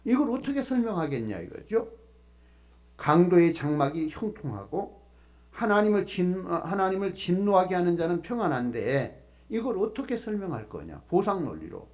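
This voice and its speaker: Slow, halting male pastor preaching. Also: high voice, big pitch swings, a little mellow. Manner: explains patiently with frequent "자" and "예" fillers. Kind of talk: sermon.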